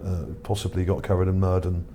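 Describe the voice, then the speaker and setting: Here a man with a low, dark voice speaks briskly and evenly, casually commenting on images he has found for his video. His manner is tentative and thoughtful, unscripted throughout, over a layer of background noise.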